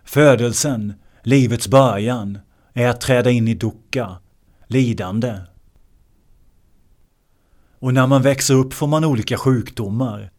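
A man teaching meditation in a measured way, often repeating key words. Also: medium pitch, a little mellow. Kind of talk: translated meditation discourse.

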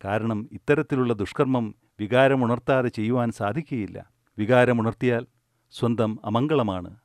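Calm man giving a dry, close spiritual talk. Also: mid-range voice, moderate pace, dry recording. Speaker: meditation teacher. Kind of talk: spiritual discourse.

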